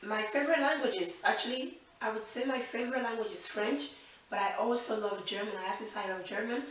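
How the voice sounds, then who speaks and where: A woman's voice: fairly high pitch, brisk, a bit bright, recorded from a distance, slight background noise. Chatty young woman in an echoey room. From Nigeria. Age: 20s. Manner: chatty and upbeat, thinks aloud with fillers. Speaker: channel host. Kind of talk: casual Q&A vlog.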